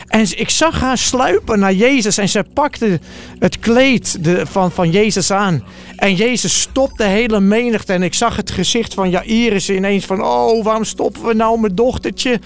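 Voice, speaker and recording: Earnest high-voiced male storyteller. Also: measured pace, a little hiss or hum. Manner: vivid, earnest eyewitness telling. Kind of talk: first-person dramatic Bible storytelling.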